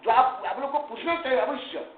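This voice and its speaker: A man's voice: very high-pitched, fairly quick, a crowd in the background. A man teaching a scripture study class as a monk-teacher, emphatic and chiding, dropping English terms into his speech. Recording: echoey room, tinny phone-like sound, faint noise.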